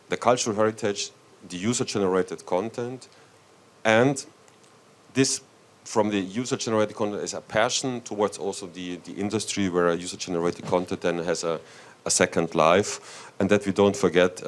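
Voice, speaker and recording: Deep-voiced man speaking at a conference. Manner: earnest, halting, with restarts. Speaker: panel speaker. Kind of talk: conference talk.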